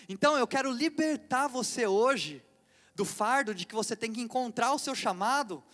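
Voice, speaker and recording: A man's voice: very high voice, a bit bright. A man with a Brazilian Portuguese accent, a lead pastor preaching a sermon in a conversational way, often turning rhetorical questions to the congregation. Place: theater hall. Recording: long reverb of a theater hall.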